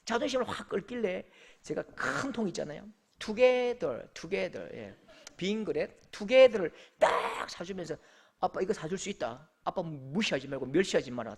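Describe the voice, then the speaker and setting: A middle-aged male pastor preaching a sermon, telling a story with lively acted-out voices. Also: extremely high pitch. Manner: animated storytelling, acting out quoted voices. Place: church sanctuary.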